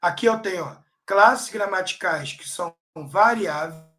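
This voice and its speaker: This online exam-prep grammar lesson comes from a high-pitched, slightly slow Brazilian Portuguese-speaking man who emphasizes key words loudly and checks in with students often.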